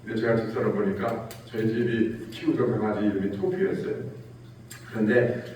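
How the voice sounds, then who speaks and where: A man's voice: lowish voice, steady tone, moderate pace, darkish tone, a little hiss or hum. A male pastor giving a Sunday sermon in a church sanctuary, telling stories and acting out quotes with rising and falling emphasis. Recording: echoey church hall, distant mic.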